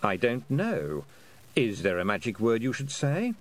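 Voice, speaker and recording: A man's voice: mid-range voice, huge pitch swings, unhurried. Guy doing a sarcastic tired toad, dry delivery, storybook. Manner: dry, sardonic. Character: dry, world-weary talking toad. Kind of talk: audiobook character voice.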